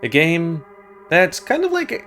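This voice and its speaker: A man's voice: on the high side, wildly swooping pitch, a little slow, a bit bright. A man giving casual, rambling and crude commentary while playing a video game. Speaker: gaming YouTuber. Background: game music.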